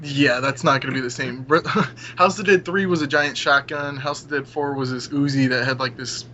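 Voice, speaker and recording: Bright-voiced young man, muffled noisy audio. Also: medium pitch, steady tone, fairly quick. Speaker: podcast panelist. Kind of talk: casual opinionated gaming discussion. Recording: muffled audio with clear background noise.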